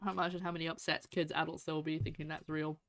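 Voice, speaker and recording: Low-voiced woman chatting over a game. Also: little pitch movement, very fast, dry recording. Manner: chatty, playful asides to game and viewers. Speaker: game streamer. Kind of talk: casual gameplay commentary.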